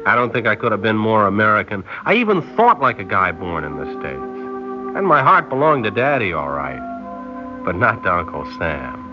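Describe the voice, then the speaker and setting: A man's voice: fairly low pitch, sing-song, normal speed, over music. An actor playing a cocky young male spy posing as an American, talking in a brash, slangy, wisecracking way, in a 1960s radio drama. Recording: dull lo-fi old radio recording.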